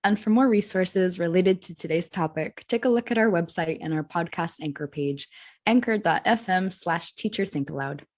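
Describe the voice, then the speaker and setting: Reflective woman podcast co-host, lowish voice. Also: moderate pace, a little mellow. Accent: Rhode Island. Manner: earnest, reflective, thinking aloud with rhetorical questions. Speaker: podcast co-host, English teacher. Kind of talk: scripted podcast discussion.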